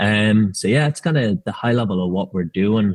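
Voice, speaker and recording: A man with an Irish accent speaks at a fairly low pitch with lively intonation, in a dry, close sound with no echo. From Ireland. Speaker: tech company representative, guest. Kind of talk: podcast interview.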